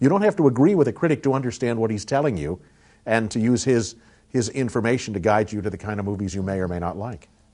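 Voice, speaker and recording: Against a quiet background, a man at medium pitch speaks very fast, with big swings in loudness. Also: lively intonation. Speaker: radio news anchor and restaurant critic. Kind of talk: interview answer. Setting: TV studio.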